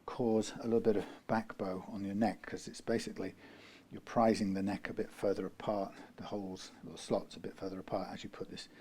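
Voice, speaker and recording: He speaks briskly with hardly any pauses, his fairly low voice mellow and husky with little pitch movement. The UK man narrates a workshop guitar repair, rambling, self-correcting and slipping in dry asides.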